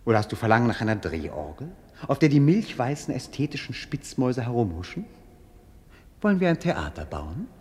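An actor playing a dreamy young prince, speaking lyrically and with gentle irony in a classic radio play. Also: male voice, mid-range voice, big pitch swings, fairly quick, lightly acted. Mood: dreamy, playful. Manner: lyrical, theatrical, gently ironic.

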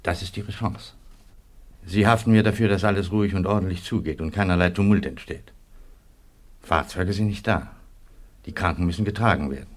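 An actor playing a stern but decent colonel in a radio drama, measured, authoritative and urgent. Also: male voice, deep voice, natural voice. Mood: grave urgency. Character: stern, decent military camp commandant, a colonel. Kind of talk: German radio drama acting.

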